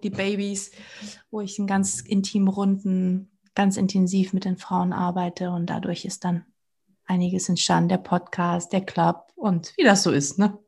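A woman in her thirties, from Portugal, with a slight Swabian accent, talking about her life as a guest in a casual interview, reflective and pausing with fillers. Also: medium pitch, a little mellow. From Portugal, raised near Stuttgart. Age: 30s. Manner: reflective, with many fillers and restarts. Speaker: guest, coach for women.

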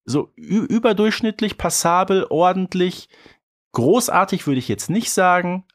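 A man's voice: high voice, lively intonation, a little slow. Colloquial male podcast co-host. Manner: colloquial, often adds "ne" as a tag. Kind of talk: casual podcast chat.

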